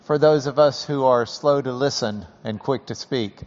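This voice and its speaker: A man with a Texan accent hosts a live interview before a class, folksy and joking as he slows things down to explain. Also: medium pitch, a little mellow, slight background noise. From Texas. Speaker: host. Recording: dull audio with long hall reverb.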